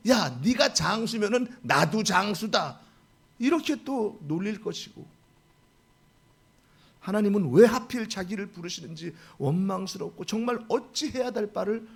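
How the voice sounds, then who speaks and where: Male pastor in his forties, animated sermon delivery, high husky voice. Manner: animated, acts out dialogue in quotes.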